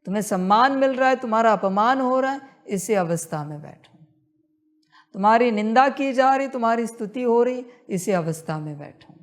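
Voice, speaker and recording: A woman leading a guided meditation, repeating her instructions in a slow, insistent spiritual talk. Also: fairly high pitch, animated.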